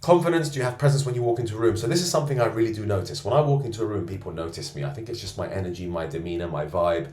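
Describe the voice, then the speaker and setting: A man coaching men on self-improvement, rating himself out loud in a boastful, self-assured monologue from a co-working space. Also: fairly low pitch, very fast, hardly any pauses. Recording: roomy echo.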